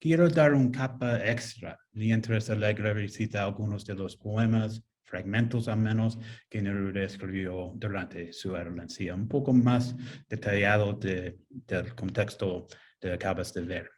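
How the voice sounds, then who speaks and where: Male author on a video call, English native, halting and slow, full of ums. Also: lowish voice, a little mellow. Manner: hesitant, many fillers and restarts. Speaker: author presenting his book. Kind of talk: casual virtual presentation.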